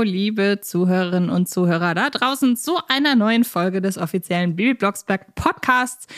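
A woman's voice: medium pitch, no room sound, studio quality. A talkative woman co-hosting a podcast in a casual, teasing chat style. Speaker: podcast co-host.

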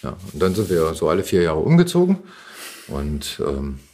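A man's voice: low-pitched, huge pitch swings, normal speed, darkish tone, breathy edge. A middle-aged man in casual, reminiscing conversation as an interview guest, talking hesitantly in half-finished sentences. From Germany.

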